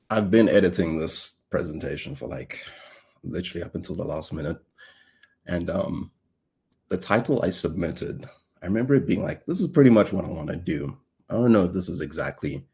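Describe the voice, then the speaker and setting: A man's voice: sits low, a little mellow, breathy edge. A young man from South Africa giving a casual, playful conference talk, joking at his own expense with lots of fillers. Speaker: conference speaker.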